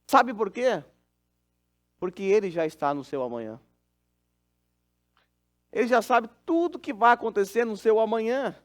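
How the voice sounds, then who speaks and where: A man's voice: sits high, very animated, measured pace, pauses often. A middle-aged man, preaching a sermon as pastor and telling a personal story in an earnest, conversational way.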